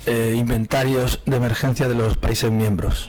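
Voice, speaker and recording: Noticeable background noise behind a man's voice of medium pitch and fairly even intonation. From Spain. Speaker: energy market analyst. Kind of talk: conference presentation.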